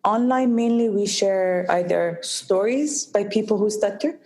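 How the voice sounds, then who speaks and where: A young woman from the United Arab Emirates, a guest in an interview, speaking slowly and with a mild stutter and pauses. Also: mid-range voice, a little mellow. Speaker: guest, social entrepreneur. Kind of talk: interview conversation.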